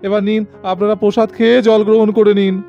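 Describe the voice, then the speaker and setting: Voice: medium pitch, little pitch movement, fast, highs cut off, soft background music, natural voice. A performer voicing a solemn Hindu priest in a children's cartoon, formal and polite while chanting and instructing. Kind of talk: ritual chanting and cartoon dialogue.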